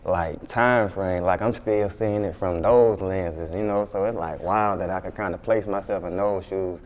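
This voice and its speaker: A man's voice: low-pitched, moderate pace, muffled recording. A man from Alabama with a Southern Black accent, chatting casually and informally as an interview guest, often saying "like" and circling back over his words. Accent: Southern Black American, Alabama. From Montgomery, Alabama, USA. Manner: informal, repetitive, says 'like' often.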